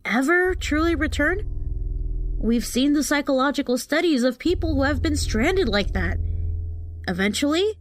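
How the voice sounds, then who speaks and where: A woman playing a doubting academic in an audio drama, questioning and deliberate. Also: sits high, lively intonation, slight background noise. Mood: doubtful. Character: doubting academic debating in a futuristic seminar.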